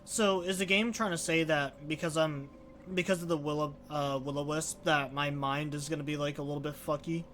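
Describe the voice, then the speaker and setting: A man with a fairly high voice comments on a game as he plays it. His delivery is casual streamer talk, with faint noise behind him. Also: fairly even intonation, normal speed, a bit bright. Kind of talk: casual let's play commentary.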